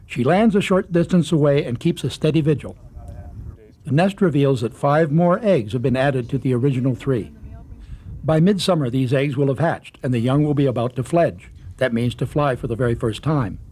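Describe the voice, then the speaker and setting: A man's voice: mid-range voice, moderate pace, warm tone. A man reading scripted narration for a nature documentary, with outdoor ambience behind him.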